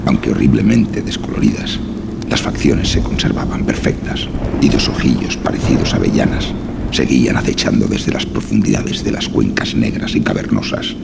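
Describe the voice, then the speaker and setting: Male horror narrator, bottomless gravel bass, dramatic literary delivery, heavily noisy recording. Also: normal speed. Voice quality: very deep, gravelly.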